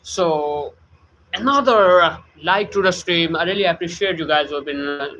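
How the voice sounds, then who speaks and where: A man with a South Asian English accent, hosting a casual live stream, halting with many fillers while he greets viewers by name. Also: on the high side, bright, forceful tone, highs cut off, a little hiss or hum. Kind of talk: casual live-stream talk, reading chat. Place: home room.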